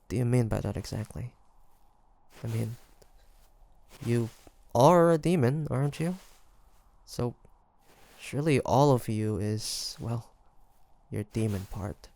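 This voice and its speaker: A man's voice: mid-range voice, creaky, warm tone. A man playing a curious, teasing demon hunter in an audio roleplay, talking to the listener in a hesitant, conversational way. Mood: hesitant, puzzled. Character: male demon hunter traveler, curious, teasing, softly tsundere. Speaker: voice actor.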